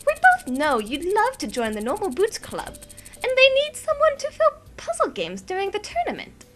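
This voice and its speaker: A woman voicing a sarcastic male moose with a high, British-accented voice. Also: wildly swooping pitch, normal speed, a bit bright, full character voice. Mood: scheming.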